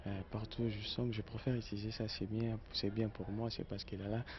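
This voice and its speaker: Low flat-voiced man. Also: a little fast. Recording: dull lo-fi street recording with crowd.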